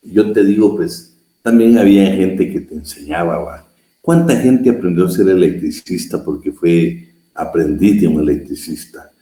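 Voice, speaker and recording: A man's fairly low, dark, mellow voice with very wide pitch swings. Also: fairly slow pace. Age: 60s. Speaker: law professor. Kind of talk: lecture.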